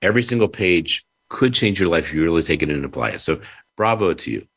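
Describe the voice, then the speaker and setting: A man's voice: low voice, animated, quick pace, a bit bright. A man hosting a conversational interview, effusive and given to repeating his phrases. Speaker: host; publisher.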